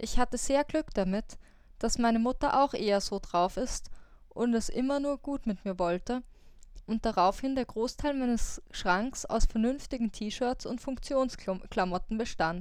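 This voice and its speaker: A plain, everyday voice from a woman, fairly high in pitch with ordinary pitch variation, at a fairly slow pace, in a very clean recording with a silent background. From Austria. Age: 20s. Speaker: podcast host. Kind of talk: casual chat.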